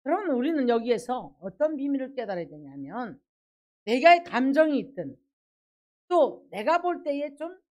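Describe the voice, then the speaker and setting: High-voiced woman pastor preaching. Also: darkish tone. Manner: preaches with acted quotes and emphatic rhetorical questions. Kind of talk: sermon.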